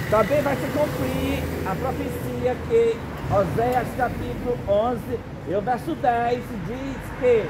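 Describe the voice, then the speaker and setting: A Brazilian man with a strikingly high voice delivers a solemn sermon. He speaks slowly and haltingly, in short phrases. The recording is noisy, with clear background sound around him. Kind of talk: sermon, prophetic preaching.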